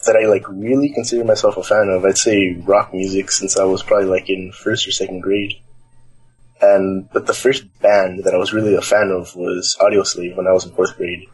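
Recorded roughly in a nearly empty library, a young Los Angeles-area man, California, talks casually and at length as an interview guest. He has a deep, husky voice.

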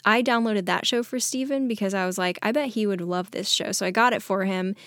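A woman's voice: mid-range voice, a little fast, a bit bright, dry recording, studio quality. A woman chatting casually, telling anecdotes in an amused, giggly way and quoting dialogue as she goes. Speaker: podcast co-host telling stories.

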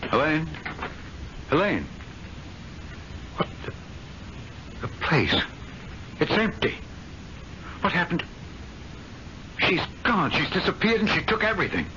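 A flustered, pleading debtor. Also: male voice, a little high, big pitch swings, slow, long pauses, sharp tone, slight background noise, full character voice. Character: anxious, weak-willed male trust officer in debt. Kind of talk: 1970s radio drama acting. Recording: lo-fi vintage radio with faint music.

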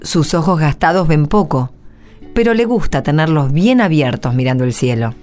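Low, expressive woman narrator over music. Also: normal speed. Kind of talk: scripted radio-play narration.

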